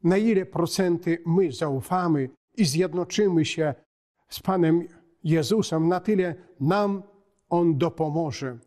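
A man speaks as a priest giving a short sermon. His voice sits a little high and moves very slowly. He is solemn and measured, breaking thoughts into short phrases. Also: warm tone. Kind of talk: short homily, read from notes. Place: inside a wooden church.

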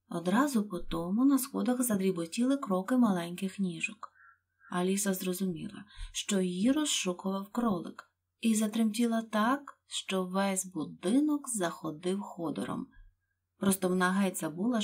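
A woman reading a children's fairy tale aloud, her voice husky and breathy. Calm, soft, even storytelling that carries the scene along. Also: mid-range voice. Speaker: narrator. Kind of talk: audiobook narration of a fairy tale.

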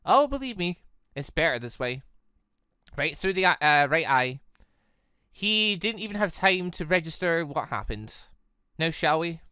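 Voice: mid-range voice, very animated, measured pace, pauses often, bright, forceful tone, clean tone, no room sound, clean studio sound. A British gamer voicing a smug, ruthless young villainess with a sly, dismissive manner in a visual novel game.

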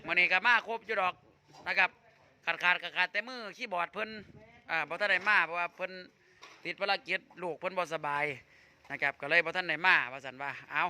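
A man's voice: sits high, sharp tone, clear, resonant tone. A man with an Isan accent chatting casually to viewers as he vlogs his band's rehearsal. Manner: chatty, addresses viewers as brothers and sisters. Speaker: band leader vlogging a rehearsal. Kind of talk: casual vlog chat. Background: band music.

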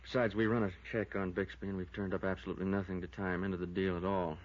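Actor as easygoing, low-voiced American deputy sheriff. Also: male voice, little pitch movement, fast talker, lightly acted. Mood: calm, practical. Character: easygoing, sensible small-town male deputy sheriff. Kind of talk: 1950s radio drama acting. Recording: dull vintage radio recording.

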